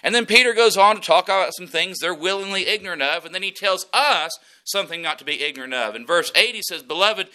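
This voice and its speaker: A man preaches a sermon with a drawl, in a folksy storyteller's way. His voice sits a little high and sounds very bright and edgy. He moves from scripture into homespun anecdotes. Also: expressive, fast talker, hardly any pauses, low-quality recording. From West Texas. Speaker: pastor.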